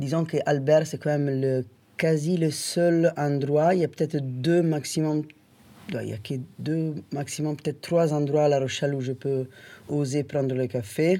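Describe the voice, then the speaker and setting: The speaker has an Italian accent and talks at a fairly slow pace. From Italy. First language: Italian (speaking French). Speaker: podcast host. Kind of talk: casual chat.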